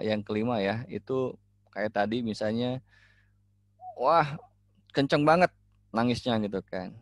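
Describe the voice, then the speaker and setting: A man, a life coach, talking casually to his listeners, relaxed and full of fillers and restarts. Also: on the low side, dry recording. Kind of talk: casual teaching talk.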